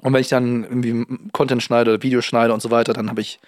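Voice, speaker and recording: Young male co-host, chatty and rambling, mid pitch, dry booth sound. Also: little pitch movement, fast, no echo. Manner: chatty, rambling with many fillers and restarts. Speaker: podcast co-host. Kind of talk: casual chat.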